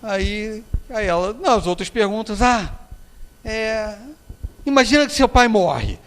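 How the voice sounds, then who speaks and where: A man's voice: high voice, lively intonation, a little slow, a bit bright. A Brazilian man giving a spiritist public lecture, telling anecdotes and acting out the voices of the people in them, with frequent tag questions. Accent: Brazilian Portuguese. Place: lecture hall. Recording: long hall reverb.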